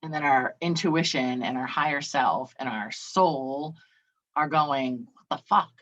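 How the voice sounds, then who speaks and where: A woman with a low voice hosts a casual solo podcast. She talks in a loose, chatty way, drops the odd swear word and acts out quoted voices. The sound is a little dull and lo-fi. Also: slow pace. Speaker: podcast host. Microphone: video call.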